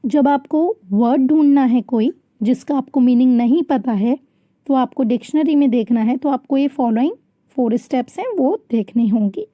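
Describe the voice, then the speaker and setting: A woman teacher giving a grammar lesson, reading English sentences slowly and then explaining them quickly in Hindi. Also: sits high, dark tone, no echo. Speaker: school teacher.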